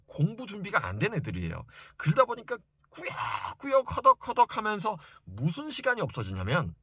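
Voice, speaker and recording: A man's voice: sits high, pushed and bright, dry recording, clean studio sound. A man giving an informal educational talk to parents as a study coach, speaking emphatically and insistently and repeating key points for stress. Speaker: private reading and study coach advising parents.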